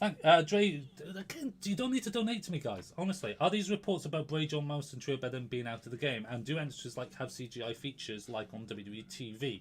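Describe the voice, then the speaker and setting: Somewhat breathy and fairly high-pitched, a man with a British accent speaks at a very fast pace with very wide pitch swings and hardly any pauses. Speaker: gaming YouTuber answering viewer questions. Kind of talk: live stream Q&A. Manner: hesitant, many fillers.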